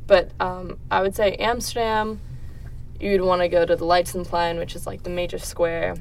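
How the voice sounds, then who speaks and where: A woman's voice: on the low side, little pitch movement, moderate pace, creaky. A young woman from the Netherlands answering interview questions in a casual, informal way, often hedging tentatively. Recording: distant mic, faint background noise.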